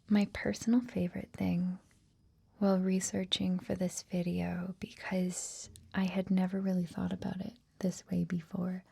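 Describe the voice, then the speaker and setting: A woman whispering softly in a gentle, reassuring ASMR style, as if hosting a guided meditation. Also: medium pitch. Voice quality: breathy, whispered, soft. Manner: gentle, slow, hushed, reassuring. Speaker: host of a guided meditation series.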